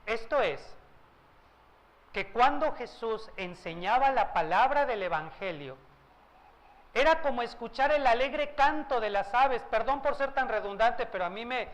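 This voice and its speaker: A man's voice: very high voice, expressive, unhurried, fairly bright tone, poor audio. A man preaching a sermon as pastor, changing tone and pace and asking rhetorical questions. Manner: varies tone and pace for emphasis, asks rhetorical questions. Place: church.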